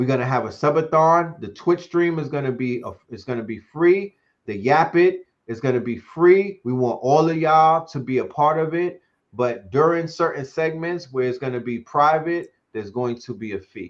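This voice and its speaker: This man talks at a moderate pace with a New York accent. His pitch is fairly high, with ordinary variation. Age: 50s. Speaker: streamer and podcast host. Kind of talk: casual chat.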